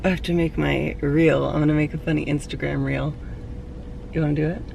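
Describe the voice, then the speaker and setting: A woman with a hoarse, fading voice, chatting candidly into a handheld camera for her vlog outdoors. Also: sits low, steady tone, brisk, darkish tone. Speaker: vlogger. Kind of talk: casual vlog talk. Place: outdoors near traffic and parking lots. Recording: distant mic with street noise.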